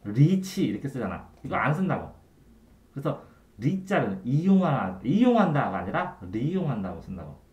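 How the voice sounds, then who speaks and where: Male tutor, animated delivery, keeps checking the student understands. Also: mid-range voice, moderate pace, muffled recording. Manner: trailing off quietly at the ends of phrases. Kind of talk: one-on-one Korean grammar tutoring. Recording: echoey room.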